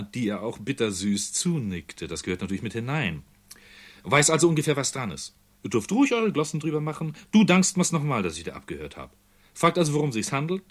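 Husky man reading lively prose. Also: fairly low pitch. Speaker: reader. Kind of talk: literary reading in a radio feature.

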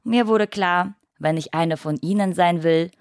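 A woman in her late twenties, from Russia, reading her own first-person essay as calm, measured, wry radio narration. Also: on the low side, no room sound, studio quality. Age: late 20s.

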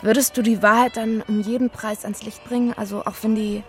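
A woman playing a pensive, uneasy babysitter who talks and narrates in a low-key, hesitant, natural way in a radio drama. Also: flat delivery, a little fast, close to an everyday voice. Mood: musing, doubtful. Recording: music under the voice. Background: music.

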